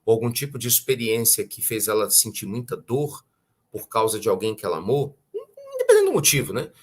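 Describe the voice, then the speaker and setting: Husky Brazilian man giving spiritual talk. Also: medium pitch, wildly swooping pitch, brisk. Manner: conversational, with frequent rhetorical questions and "né?" tags; clears his throat often. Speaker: spiritual teacher.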